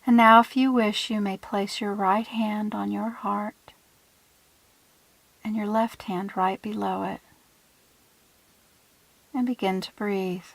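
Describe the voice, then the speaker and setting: A woman leads a guided meditation at a very unhurried pace. Her delivery is soothing and hushed, with phrases that trail off into breath. The recording is dry and close, with little room sound. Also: medium pitch, flat delivery, creaky, no echo, rough recording.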